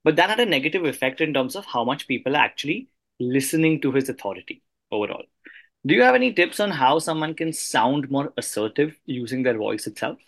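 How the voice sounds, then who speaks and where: A man's voice: mid-range voice, very animated, brisk, no room sound. A man hosting a podcast interview, talking conversationally as he asks questions and shares reflections. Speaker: podcast host.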